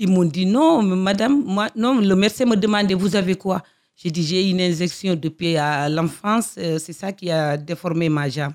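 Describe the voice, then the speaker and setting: A woman speaks at a fairly slow pace and medium pitch, in a very clean recording with a silent background. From Senegal, rural village near Goudiri. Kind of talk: radio interview, personal testimony. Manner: halting, with repetitions.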